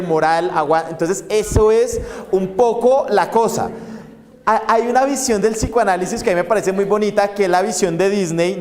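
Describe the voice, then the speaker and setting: A man's voice: high-pitched, darkish tone. A man giving a university psychology lecture, acting out inner voices and asking rhetorical questions. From Colombia. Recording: reverberant hall recording.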